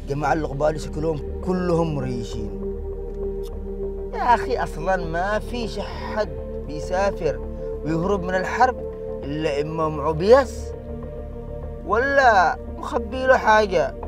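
A man's voice: on the high side, lively intonation, unhurried, pauses often. An actor playing a scheming man on the phone, Yemeni-accented, reassuring and plotting. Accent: Yemeni Arabic. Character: scheming male fixer on the phone. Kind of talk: TV drama acting. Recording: music behind the voice.

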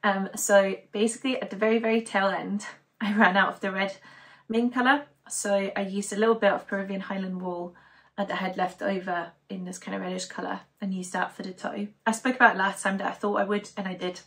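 A young woman from Denmark talks casually to the camera in her living room. She is chatty and upbeat, rambling with plenty of "um"s. Her voice sits at an ordinary middle pitch for a woman. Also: steady tone, fairly quick, a bit bright. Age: young adult. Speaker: knitting podcaster. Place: living room at home, indoors.

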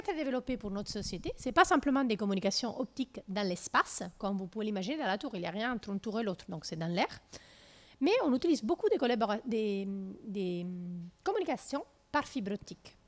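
A southern Italian woman in her thirties, with an Italian accent and a high-ish voice, lectures on physics a little quickly using slides. Holding a mic in a lecture room, she keeps things lively, though she restarts often and uses many fillers.

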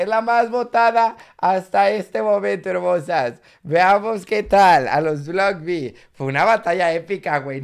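A man with a Mexican Spanish accent hosting a live reaction video, talking in a flamboyant, campy, exclamatory way. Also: high voice.

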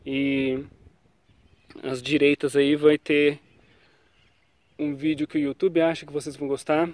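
A man's voice: fairly high pitch, little pitch movement, measured pace, darkish tone, no room sound. A man, talking casually about bike brakes on an action camera outdoors, with a cold, keeping it loose and tagging on little checks. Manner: chatty, loose, trails off with "tá?" and "né?". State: has a cold. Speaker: cycling vlogger. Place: outdoors on a quiet paved road.

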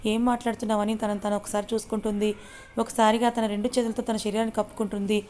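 A woman narrating a romantic story aloud in a brisk, even storytelling manner. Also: mid-range voice, slight background noise.

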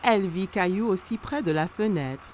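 A woman's voice: medium pitch, animated, normal speed, darkish tone, slight background noise, close to an everyday voice. A woman narrating a children's cartoon in storybook style. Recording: music behind the voice.

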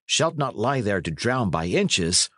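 A man's voice: fairly low pitch, very animated, unhurried, pushed and bright, no echo, studio quality, heavily acted. A man voicing a blunt, kindly young adventurer in a storybook, with hearty archaic speech. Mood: earnest, pitying. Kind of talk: storybook character reading.

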